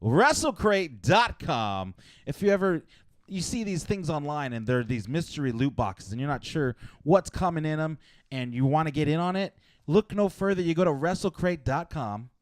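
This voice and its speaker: A man's voice: fairly high pitch, darkish tone, no echo. A man hosting a casual podcast, playfully introducing co-hosts and reading sponsor spots. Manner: playful, hyping up guests, joking. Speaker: podcast host. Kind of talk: casual podcast chat and ad reads.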